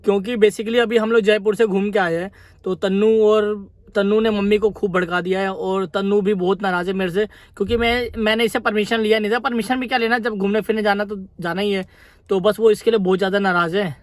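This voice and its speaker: A man's voice: high-pitched, flat delivery, brisk, dry recording. A man opening his prank vlog, upbeat and hyping it up. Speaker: vlogger. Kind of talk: vlog intro to camera.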